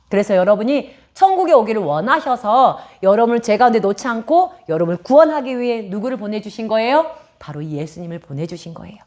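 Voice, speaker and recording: A woman preaching a children's sermon, telling a story and asking the children questions. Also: medium pitch.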